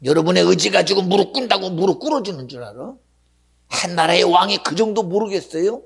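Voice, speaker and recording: A male pastor preaching a sermon, swinging between shouted exhortations and hushed whispers, and acting out quoted speech. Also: high voice, animated, a little fast, vocal fry.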